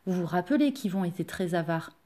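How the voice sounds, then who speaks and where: A woman from a library reading a fairy tale aloud, expressive and speaking to young listeners. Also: fairly low pitch, a little fast. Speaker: library storyteller.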